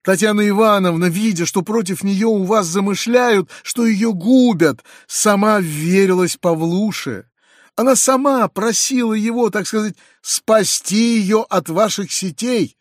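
A man reading an audiobook, voicing a shrill, furious middle-aged noblewoman in an indignant screeching tirade. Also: expressive, moderate pace, hardly any pauses, a little mellow, slightly rough, no echo, clean studio sound. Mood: furious scolding. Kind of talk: audiobook character voice.

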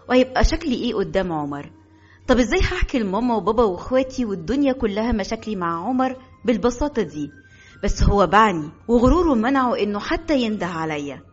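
A woman's voice: medium pitch, slightly rough. A woman with an Egyptian accent narrating a first-person audiobook with emotional, dramatic storytelling. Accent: Egyptian Arabic. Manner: emotional storytelling mixing formal Arabic and dialect. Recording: dull, lo-fi audio.

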